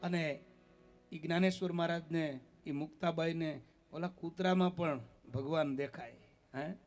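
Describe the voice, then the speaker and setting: A man with a Kathiawadi Gujarati accent giving a devotional discourse full of folk stories, often checking in with his listeners with a quick "eh?". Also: fairly high pitch, steady tone, soft background music. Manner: keeps asking listeners "eh?" as a tag; folksy, storytelling delivery. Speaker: spiritual discourse speaker.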